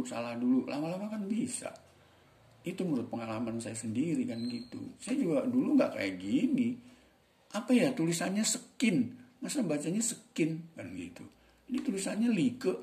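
A man teaching English in a chatty, encouraging way, sometimes reading English lines slowly and deliberately. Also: mid-range voice, warm tone, echoey room. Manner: chatty, encouraging, colloquial Jakarta slang. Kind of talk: casual spoken English lesson.

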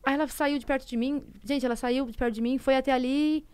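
Brazilian woman with a smooth, clear voice. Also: high-pitched, steady tone, quick pace, dry recording. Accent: Brazilian Portuguese. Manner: conversational, often trailing into soft, hushed tones and frequent tag questions. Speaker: podcast guest. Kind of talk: emotional personal storytelling.

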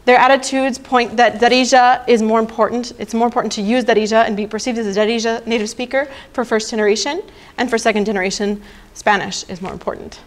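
Young female researcher, slightly higher voice, explanatory conference talk. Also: steady tone, fast. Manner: explanatory, frequent "right?" and "okay?" checks. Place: presentation room.

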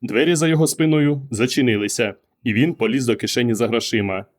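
Calm male audiobook narrator. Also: mid-range voice, quick pace. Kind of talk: scripted narration.

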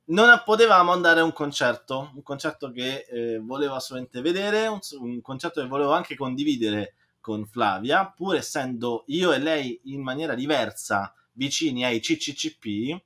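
A man's voice: medium pitch, expressive, moderate pace, few pauses, pushed and bright. A middle-aged man hosting a culture show over a video call, enthusiastic and emphatic. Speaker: host of a book and culture show. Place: indoors, home room with bookshelves. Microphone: webcam video call, at desk distance.

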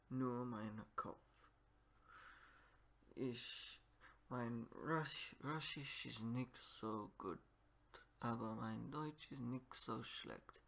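A man, talking haltingly in broken as he searches for words in a self-recorded practice video. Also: medium pitch, gravelly. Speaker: language learner vlogger.

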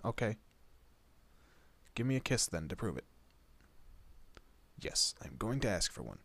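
Guy doing a protective monster for horror roleplay audio, low raspy voice with a sharp edge, intense. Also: very animated, measured pace, full character voice. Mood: remorseful, tender. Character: protective male monster, menacing to foes, tender to his human.

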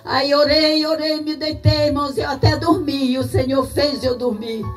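A woman's voice: high voice, fairly even intonation, moderate pace. A middle-aged woman with a Brazilian Portuguese accent giving a tearful church testimony in a sing-song preaching cadence. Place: church service. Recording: distant mic with faint music.

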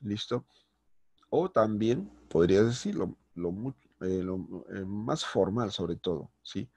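A male secondary school teacher giving a recorded grammar lesson, explaining step by step and checking in often with quick tag questions. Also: lowish voice, lively intonation, a little mellow, slightly rough, no echo.

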